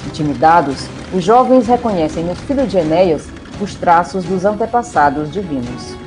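A woman's voice: lowish voice, lively intonation, normal speed, over music. A woman with a Brazilian accent, narrating a scripted tale in a theatrical, playful way.

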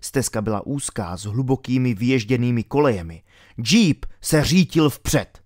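Male audiobook narrator, dramatic, steady, dry close sound, mid pitch. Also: no room sound. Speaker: audiobook reader.

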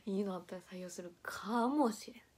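A woman's voice: fairly high pitch, fairly bright tone, husky. Giggly young woman with a Kansai accent. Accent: Kansai, Nara. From Nara, Japan. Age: young adult. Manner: chatty, laughs often, reads comments aloud. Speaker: idol livestream host. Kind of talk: casual livestream chat reading comments.

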